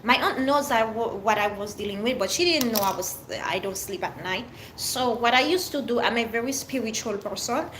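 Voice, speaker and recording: A woman's voice: fairly high pitch, moderate pace, hardly any pauses, noisy background. Haitian woman, French accent, earnest. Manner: open, earnest, speaks in short fragments with restarts. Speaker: livestream host. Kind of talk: casual livestream chat answering viewers.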